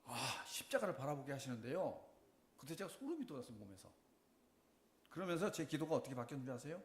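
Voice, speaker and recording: A middle-aged man giving a sermon testimony, telling his story with lively questions to the congregation. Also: medium pitch, fast talker. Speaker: preacher. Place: church. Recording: echoey church room.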